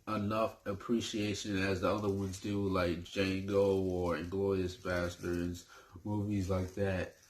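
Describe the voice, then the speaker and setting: A man talks casually about his favorite movies for his channel. He speaks slowly in a lowish voice, often stopping to restart his sentences. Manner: hesitant, full of fillers and restarts. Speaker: movie review YouTuber.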